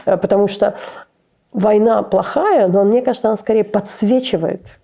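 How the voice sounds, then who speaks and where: A woman's voice: mid-range voice, moderate pace, gravelly, mellow. A woman telling a story in conversation, searching for words and restarting her sentences. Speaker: interview guest.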